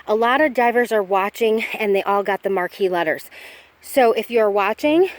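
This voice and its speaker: Breathless, fast-talking woman vlogger. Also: mid-range voice, no echo. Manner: fast, chatty, self-interrupting. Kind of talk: casual haul vlog.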